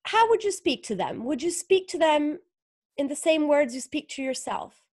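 A woman's voice: sits high, big pitch swings, normal speed, darkish tone, dry recording, clean studio sound. A woman, a guest author talking thoughtfully on a video call, with many fillers and rhetorical questions. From northern Italy. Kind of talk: conversational interview on a video call. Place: small room indoors. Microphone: video call webcam.

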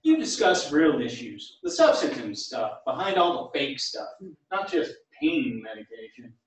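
A man's voice: medium pitch, sing-song, a little slow. A man playing a witty, candid, friendly gay tennis instructor in a staged play reading. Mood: wry, friendly. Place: small theatre stage, indoors. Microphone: far camera. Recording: very echoey theatre, distant microphone.

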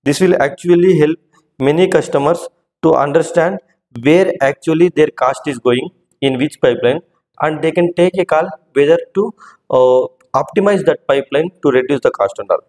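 A man hosting a screen-recorded software tutorial, explaining step by step and often checking in with "right?". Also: on the high side, normal speed, big-room sound, poor audio. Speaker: tutorial host. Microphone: voice-over on screen recording.

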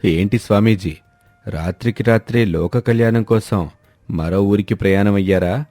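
A man's voice: on the low side, normal speed, warm tone, no room sound, natural voice. A man playing a shrewd, stern village landlord in a moral story, speaking in a grave, commanding manner. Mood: mocking, commanding. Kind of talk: scripted animated moral-story dialogue. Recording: background music under the voice.

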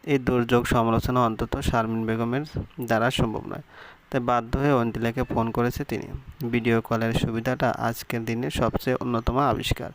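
A man's voice: mid-range voice, little pitch movement, fairly quick, slight background noise. A man reading a romantic story aloud as a scripted narration.

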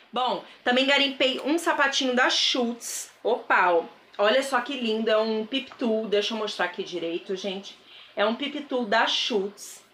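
A woman's voice: fairly high pitch, a bit bright. A woman in her thirties with a Brazilian Portuguese accent, chatting enthusiastically to viewers in a casual haul vlog, recorded on a close camera mic in a bedroom. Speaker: thrift vlogger. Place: bedroom with wardrobe, indoors.

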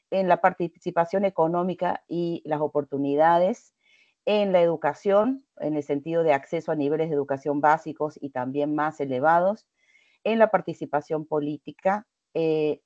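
A middle-aged Argentine woman with a slight Portuguese-tinged accent gives a webinar lecture in a measured, hesitant way, speaking from a home office over a headset. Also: low voice, dark tone, no echo. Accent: Argentine Spanish with some Portuguese mixing. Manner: measured, many hesitations and restarts. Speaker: invited lecturer. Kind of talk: webinar presentation. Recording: dry, dull video-call audio.

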